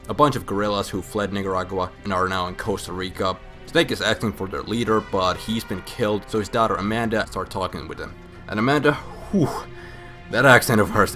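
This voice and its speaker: Drunk-sounding male comic narrator, lowish voice, profane, sarcastic, rambling; faint music bed. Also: a bit bright. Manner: crude, sarcastic. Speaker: host of a comic video game storyline recap.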